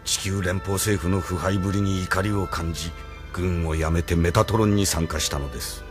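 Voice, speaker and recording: An actor playing a loyal rebel admiral who speaks politely and proudly in a radio drama. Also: male voice, deep voice, steady tone, moderate pace, music in the background, lightly acted. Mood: earnest. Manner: polite, deferential yet proud. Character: loyal middle-aged male rebel admiral, earnest.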